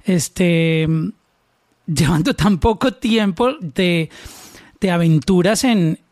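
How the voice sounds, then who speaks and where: A man's voice: sits high, slow pace, darkish tone, dry recording, clean studio sound. A Colombian man hosting a casual interview, chatty and joking about his own pronunciation. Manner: chatty, reads out a long list of names, jokes about his pronunciation. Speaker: interview host.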